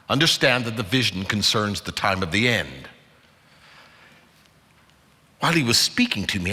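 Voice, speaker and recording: A man giving a dramatic Bible reading before a live hall, theatrical and emphatic, with deliberate pauses. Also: lowish voice, pushed and bright. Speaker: dramatic scripture reader. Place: large indoor conference hall. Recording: live hall with long reverb.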